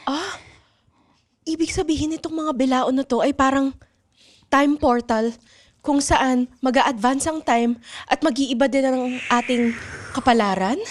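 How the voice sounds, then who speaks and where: A woman playing an excitable, easily exasperated daughter in an improvised comedy radio drama, exclaiming dramatically. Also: high-pitched, unhurried, long pauses. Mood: alarmed. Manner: dramatic exclaiming, mixes in English.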